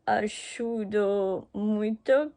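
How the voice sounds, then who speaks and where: A young woman with a German accent speaks slowly in halting beginner sentences, with frequent pauses, fillers and self-corrections, and laughs often. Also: medium pitch, mellow. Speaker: language learner. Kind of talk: unscripted video message to her boyfriend.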